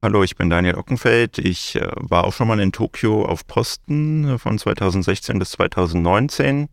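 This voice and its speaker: A man's voice: fairly low pitch, moderate pace, creaky, dry recording, studio quality. A man speaking as a guest on a podcast panel who explains facts and hesitates with fillers. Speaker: ministry country desk officer, panel guest.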